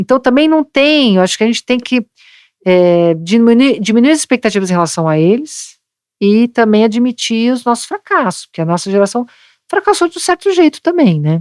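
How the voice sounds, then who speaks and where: The speech moves at a fairly quick pace with very wide pitch swings. The sound is dry and close with no echo, in a very clean recording with a silent background. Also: woman. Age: 60s. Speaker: psychoanalyst. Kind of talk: interview conversation.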